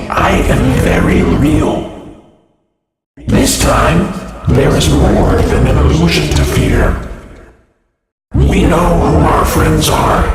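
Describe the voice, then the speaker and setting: A menacing animatronic showman from a game, high and lilting. Delivery is slow and grandiose, wrapped in long reverb. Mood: cold menace. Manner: grandiose, measured, threatening. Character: theatrical, sinister animatronic stage performer. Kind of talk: video game villain voice lines.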